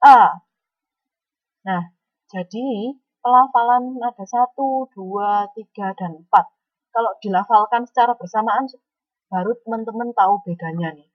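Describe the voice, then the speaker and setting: A woman's voice: medium pitch, normal speed, dry recording, dull audio. A woman teaching a Mandarin lesson online, speaking patiently and often adding a questioning "ya".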